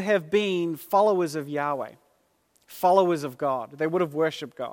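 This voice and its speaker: On a very clean recording with a silent background, a man with an American accent speaks with lively intonation. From New Zealand. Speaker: preacher. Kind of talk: sermon. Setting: church.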